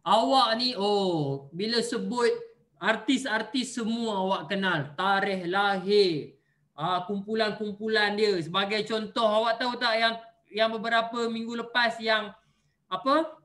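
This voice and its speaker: A man's voice: high-pitched, fairly even intonation, a little slow, pushed and bright. A man, a religious teacher giving an online class, explaining with playful, teasing everyday examples.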